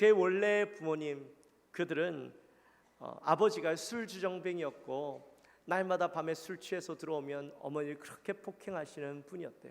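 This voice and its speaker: At a moderate pace, a man speaks in a high pitch with ordinary pitch variation and big swings in loudness. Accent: Gyeongsang. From Gyeongsang region, South Korea. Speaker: pastor. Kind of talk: sermon. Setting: church.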